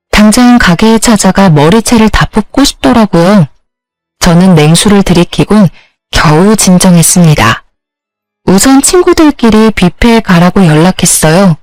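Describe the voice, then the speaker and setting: A woman's voice: mid-range voice, darkish tone, no room sound, low-quality recording. A young woman narrating her own story in a confiding, aggrieved way.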